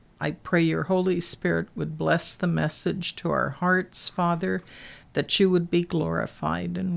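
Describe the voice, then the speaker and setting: The recording is very clean, with a silent background. A woman talks at a fairly slow pace. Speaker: pastor's wife and ministry leader. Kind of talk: teaching talk with prayer.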